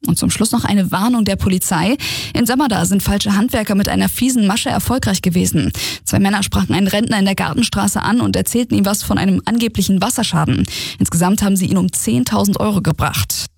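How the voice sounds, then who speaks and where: A woman reading a regional radio news bulletin in a steady, measured way from the studio. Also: mid-range voice, creaky, husky, no echo. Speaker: news reader. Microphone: studio microphone.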